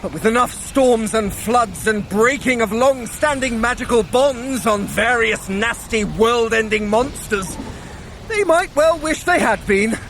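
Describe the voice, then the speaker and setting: An actor playing a sly, eloquent trickster god in an audio drama, wry, articulate and theatrical. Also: male voice, extremely high pitch, lively intonation, measured pace, fairly bright tone, soft background music, full character voice, low-quality recording. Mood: wry foreboding.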